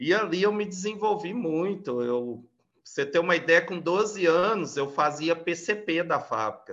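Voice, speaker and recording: At a fairly slow pace, a man with a high pitch talks with lively intonation. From Brazil, Franca (São Paulo state interior). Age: 40s. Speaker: consultant and author. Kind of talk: casual interview chat.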